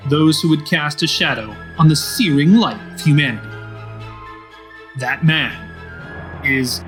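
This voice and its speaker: A bombastic male announcer for an old-time radio space serial. His voice sits on the high side, grand and theatrical, over clear music. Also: a little slow, a bit bright. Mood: grandiose. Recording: music behind the voice.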